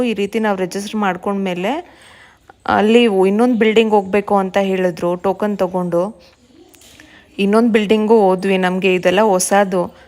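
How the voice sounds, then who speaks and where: A woman's voice: mid-range voice, a little mellow. A young woman, a new mother chatting through a casual vlog and mixing English words into her talk. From India.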